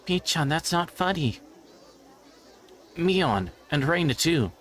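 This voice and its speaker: A man voicing a friendly, anxious teenage schoolgirl from a visual novel, with a raised, gentle way of talking. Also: on the high side, expressive, slow pace, a little hiss or hum, voice pushed up. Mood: worried, relieved. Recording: background music.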